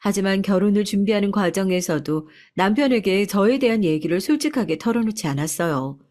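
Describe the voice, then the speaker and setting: A woman narrating a first-person life story in a soft, confiding way. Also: medium pitch.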